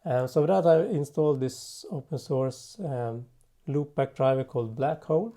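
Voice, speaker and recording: A man presenting an unscripted software tutorial in a halting way, thinking aloud as he works. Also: medium pitch. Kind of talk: unscripted software demo narration.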